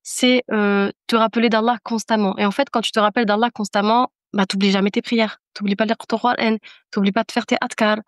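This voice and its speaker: A woman's voice: medium pitch, fairly even intonation, fairly quick, no room sound, clean studio sound. A woman speaking as a podcast guest in casual conversation, giving an earnest, emphatic personal testimony and repeating phrases for emphasis.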